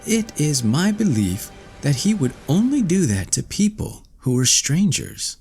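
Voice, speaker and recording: A man's voice: fairly high pitch, sing-song, measured pace, darkish tone, faint music behind, voice pushed up. A man voicing a sweet, eager young princess in a fairy tale, with earnest storybook speech. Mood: trusting.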